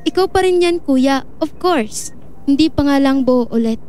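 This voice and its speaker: An actress as a gentle younger sister in an audio drama. Her voice is high and warm, soft and reassuring as she supports her brother. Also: lively intonation, moderate pace. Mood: gently reassuring. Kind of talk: Filipino audio drama acting.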